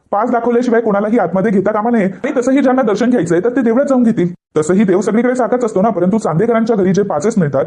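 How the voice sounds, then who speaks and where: A man's voice: high-pitched, warm tone, lightly acted. A man voicing a sly, scheming older woman. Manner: sly, calculating.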